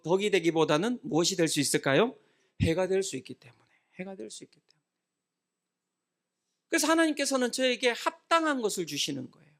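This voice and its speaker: Middle-aged male pastor, animated delivery, quizzes the congregation and answers himself. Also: sits high. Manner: asks the congregation questions and answers them; acts out scolding parents and children. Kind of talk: midweek prayer meeting sermon.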